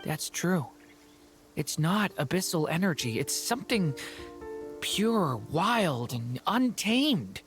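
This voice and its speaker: A woman voicing an eager, good-hearted young boy in a video game, youthful, earnest and expressive. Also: fairly low pitch, slow pace. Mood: curious. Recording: game music behind the voice.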